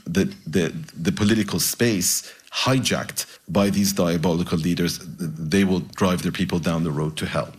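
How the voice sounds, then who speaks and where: Deep-voiced man speaking gravely. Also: normal speed, hardly any pauses. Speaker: guest. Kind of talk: interview answer.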